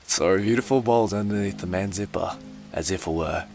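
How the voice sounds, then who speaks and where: A man's voice: low-pitched, brisk, creaky. A man giving a hammy, mock-dramatic comedic reading of fan fiction as narrator, with music behind him.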